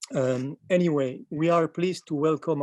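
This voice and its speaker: In a French accent, a man talks at a moderate pace with ordinary pitch variation, the sound dry and close with no echo. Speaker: architecture theorist, academic. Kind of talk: reading aloud an introduction. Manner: halting, stammering.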